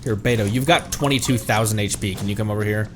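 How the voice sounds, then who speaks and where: A man doing casual live gameplay commentary, excitable and playful, talking to himself and to the game as he plays. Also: on the low side, fast, over music. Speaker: streamer playing a video game.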